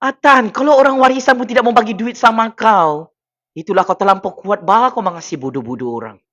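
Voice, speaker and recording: High, bright mocking Sabah Malay man. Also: brisk. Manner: taunting, loud bursts and frequent exclamations. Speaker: political commentator streaming to viewers. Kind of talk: mocking livestream rant. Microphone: personal microphone at a desk.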